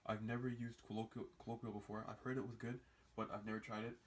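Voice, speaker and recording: A man's voice: on the low side, flat delivery, quick pace. A young man talking casually to camera as a language-learning vlogger, rambling and restarting his sentences. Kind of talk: casual vlog talk. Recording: echoey room.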